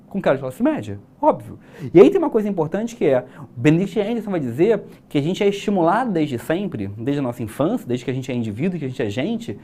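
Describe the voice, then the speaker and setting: Lively chatty Brazilian male teacher. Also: on the high side. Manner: chatty and explanatory, asking rhetorical questions. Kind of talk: recorded exam-prep lesson.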